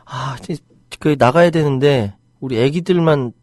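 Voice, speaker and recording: A man's voice: medium pitch, a little slow, darkish tone, no room sound, studio quality. A middle-aged man hosting a live online talk show, reading listener comments and mixing heated outbursts with jokey banter. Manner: heated, indignant outbursts about rights. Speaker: internet radio host reading listener comments.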